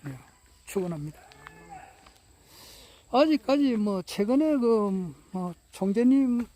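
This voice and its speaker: A man's voice: high voice, warm tone. A man talking in a casual, rambling monologue. He chuckles often and speaks in a folksy, earnest way. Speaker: political supporter speaking to camera.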